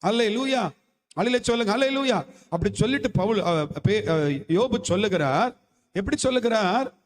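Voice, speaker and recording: Male pastor, very high voice, preaching with fervor in a reverberant church hall. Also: expressive, normal speed. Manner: impassioned preaching, calls for hallelujah responses. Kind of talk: fervent Tamil sermon.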